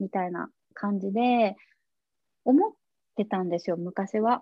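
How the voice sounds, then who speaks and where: At a fairly slow pace, a woman speaks in a medium pitch with lively intonation. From Okinawa, Japan. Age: 30s. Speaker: yoga instructor. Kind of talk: podcast interview.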